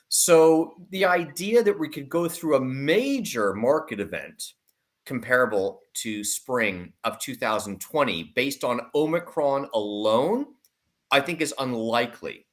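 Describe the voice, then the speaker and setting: A man's voice: medium pitch, fairly bright tone. A man speaking as an investment analyst in an interview, giving conversational commentary with repeated words and qualifying asides.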